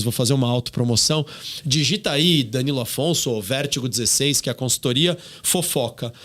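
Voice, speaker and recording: A man's voice: medium pitch, fairly bright tone. A man with a Brazilian Portuguese accent, speaking emphatically as a guest on a podcast and asking rhetorical questions. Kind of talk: podcast discussion.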